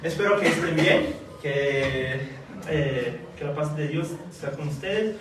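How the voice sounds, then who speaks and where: Guy preaching in a church hall, kinda high voice, lots of eh and restarts, sounds far off and super echoey. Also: expressive, background noise. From Italy. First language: Italian or Filipino language. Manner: halting, many fillers and restarts. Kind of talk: sermon and prayer.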